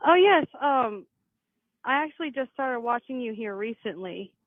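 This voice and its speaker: A hesitant caller stammers through questions to a talk show host. The voice comes over a tinny phone line and sounds dry and close. The pitch sits in the middle range. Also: animated, normal speed, no room sound. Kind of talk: phone call-in.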